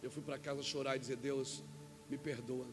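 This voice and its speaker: A Brazilian man preaching a sermon as a pastor, telling a personal story with quoted dialogue and rising to shouts at the peaks. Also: medium pitch, little pitch movement, moderate pace, over music. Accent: Brazilian Portuguese. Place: church event hall.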